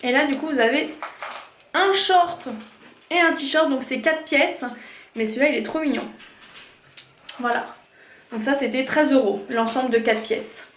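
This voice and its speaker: A woman's voice: high-pitched, unhurried, long pauses, fairly bright tone. A woman from France in her thirties, chatting casually through a shopping haul with lots of fillers and hesitations. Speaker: vlogger. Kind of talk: casual product haul chat. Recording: echoey room, faint noise.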